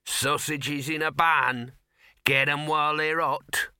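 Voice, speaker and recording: A man's voice: a little high, expressive, normal speed, vocal fry, bright, forceful tone, no echo, clean studio sound, pitched above the performer's own voice, heavily acted. Man playing a cheeky, conspiratorial street sausage hawker. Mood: bellowing sales pitch. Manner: wheedling, colloquial salesman patter.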